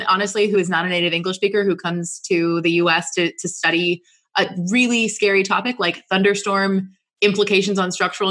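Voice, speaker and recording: A woman's voice: lowish voice, pushed and bright. A woman co-hosting a podcast, speaking in an effusive, encouraging way. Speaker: podcast co-host. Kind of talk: conversational interview.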